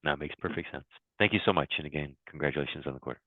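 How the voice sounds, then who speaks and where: A man asking questions as an analyst on a business call, politely, in a halting way that rephrases as he goes. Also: a bass voice, no echo. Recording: thin phone-like call line, dry.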